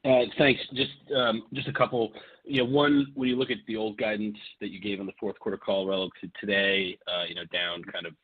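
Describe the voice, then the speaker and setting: A man's voice: on the low side, flat delivery, brisk, husky. A man calling in as a financial analyst to ask questions on an earnings call, conversational and hedging. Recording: muffled narrow phone line.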